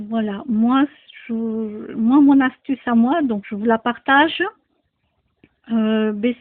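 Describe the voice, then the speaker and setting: Slow-talking woman, thin phone-like sound. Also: on the high side. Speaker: vlogger. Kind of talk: casual personal talk to viewers.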